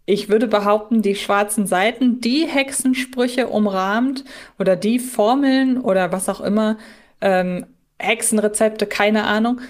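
A woman's voice: mid-range voice, steady tone, a little slow. A woman co-hosting a podcast, chatting analytically in a questioning, reflective way. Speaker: podcast co-host. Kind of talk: analytical casual podcast chat.

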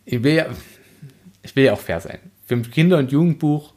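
Male podcast host, medium pitch, casual and reflective reviewer who rephrases as he goes. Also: expressive, brisk, darkish tone. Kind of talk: casual book review discussion.

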